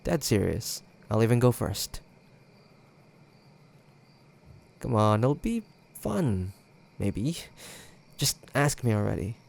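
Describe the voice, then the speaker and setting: Casting: male actor as teasing young ex in intimate audio roleplay; swooping intonation, unhurried delivery, casual banter. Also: lowish voice, big pitch swings, vocal fry, a little mellow, exaggerated voice. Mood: playful. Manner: teasing, hesitant, casual banter with trailing pauses. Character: playful teasing young man, nostalgic ex-boyfriend in treehouse.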